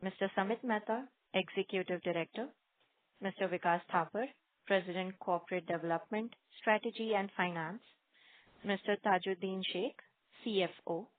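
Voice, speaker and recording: A woman's voice: mid-range voice, no echo. A woman reading a scripted conference call announcement as the operator. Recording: narrow tinny phone line.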